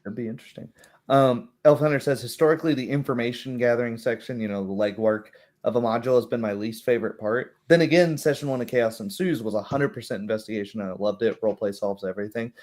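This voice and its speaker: A man's voice: mid-range voice, fast talker, darkish tone. A man chatting casually about tabletop games, acting out little asides as he explains. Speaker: tabletop roleplay show host.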